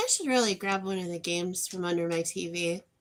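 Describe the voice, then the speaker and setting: This woman has a medium pitch and a Western New York accent. She talks at a moderate pace with ordinary pitch variation. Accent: Western New York (Inland North) American. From Western New York, US. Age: 40s. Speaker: livestreamer. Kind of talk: casual livestream chat. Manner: chatty, rambling casual.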